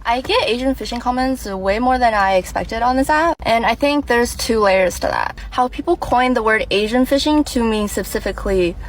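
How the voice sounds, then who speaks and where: A woman's voice: fairly high pitch, moderate pace, hardly any pauses. Chatty woman from china explaining things to her phone, faint noise behind. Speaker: social media creator. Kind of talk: casual to-camera explanation.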